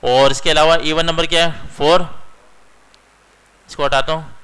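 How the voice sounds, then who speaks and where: Bright, crisp male computer instructor. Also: a little high, steady tone, measured pace, rough recording. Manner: explains step by step, keeps checking in with "theek hai". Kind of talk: screen-recorded computer lesson.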